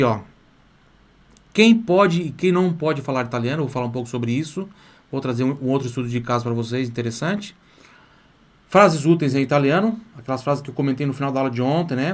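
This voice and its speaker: A Brazilian man with a mid-range voice teaches a live online class at a brisk clip. He speaks with eager enthusiasm, coaxing his students along and checking in with them often. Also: medium pitch. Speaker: language teacher and course host.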